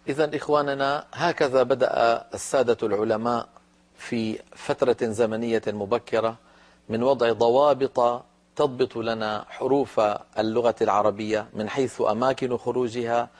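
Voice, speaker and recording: A man teaching Quran recitation in a televised lesson, explaining letter sounds in a measured, deliberate way and demonstrating them slowly. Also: mid-range voice, a little mellow.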